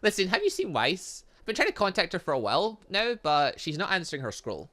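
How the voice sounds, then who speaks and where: Man acting excitable teenage girl, high-pitched, childlike, whiny, gushing, forceful, game character. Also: fast, exaggerated voice. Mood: anxious questioning.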